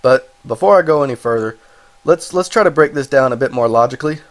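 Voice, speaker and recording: Fast and mid-range, the host's stuffed-up voice carries a rambling game review. He corrects himself and apologizes in passing, sounding congested from his cold.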